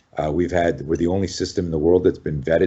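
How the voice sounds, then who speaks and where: A man with a very deep, low voice. His delivery is somewhat breathy. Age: 60s. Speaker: self-defense coach. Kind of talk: interview. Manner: many fillers and repetitions.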